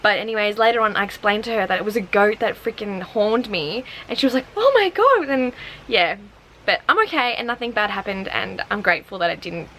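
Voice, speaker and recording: A woman in her twenties talks chattily to camera on a porch, her voice sitting in a middle range for a woman. German was her first language, and her talk is loose and full of "like". Faint outdoor sounds hang quietly behind her. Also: medium pitch, expressive, fairly quick, a little hiss or hum, rough recording. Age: 20s. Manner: chatty and upbeat, with lots of "like" fillers. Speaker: vlogger. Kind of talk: casual chat to camera. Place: porch in front of wooden shutters, outdoors. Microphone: camera in front at chest height.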